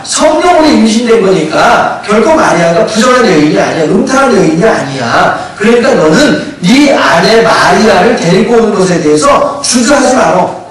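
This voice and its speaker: A preacher acting out God as a blunt, insistent figure who gives casual orders, in a high, lively voice that rises and falls widely. The sound rings through a very echoey church hall, picked up from a distance. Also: male voice. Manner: casual, pushy, plain-spoken commands. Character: God speaking bluntly and insistently to a young man.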